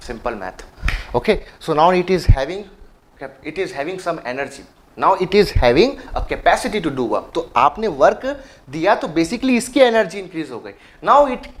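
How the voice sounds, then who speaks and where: A man from India teaching an exam-prep engineering lecture, switching freely between two languages and explaining with playful everyday examples. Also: sits high. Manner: mixes Hindi and English freely.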